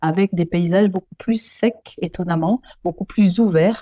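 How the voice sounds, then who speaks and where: A woman's medium-pitched, dark, mellow voice at a fairly slow pace, with ordinary pitch variation and a dry, close sound with no echo. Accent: southwestern French. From southwest France, Pyrenees. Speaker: ecologist. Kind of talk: interview. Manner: hesitant, many fillers.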